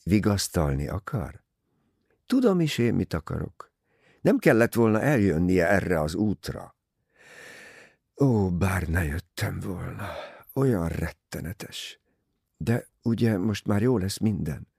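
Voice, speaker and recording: A man's voice: sits low, lively intonation, vocal fry, pauses often, darkish tone, breathy edge, no room sound, studio quality, heavily acted. A man voicing a distraught young woman in love, tearful and pleading.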